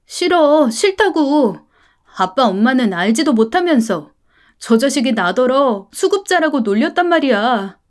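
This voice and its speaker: A woman's voice: fairly high pitch, lively intonation, a little slow, a little mellow. A woman voicing a stubborn, resentful young schoolboy in a story. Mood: defiant. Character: sulky defiant schoolboy, about ten.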